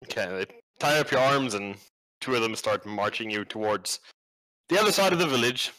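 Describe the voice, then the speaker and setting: A man's voice: mid-range voice, animated, pushed and bright, rough recording. A man narrating as game master of a tabletop game, talking casually with lots of fillers. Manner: casual, filler-heavy narration with quick asides.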